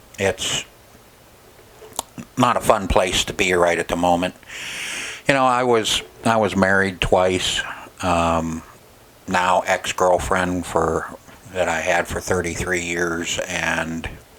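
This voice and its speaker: Amid noticeable background noise, a man with a very deep, low voice speaks very slowly and with fairly even intonation, leaving long, frequent pauses. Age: 60s. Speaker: YouTuber, retro gaming and arcade repair. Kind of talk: personal vlog monologue. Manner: halting, many fillers and restarts.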